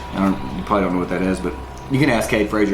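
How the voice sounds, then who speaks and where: There is audible room echo around a man's voice. Noticeable background noise is also present. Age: 30s. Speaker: taekwondo instructor. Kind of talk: casual Q&A video. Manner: fast; casual, many fillers.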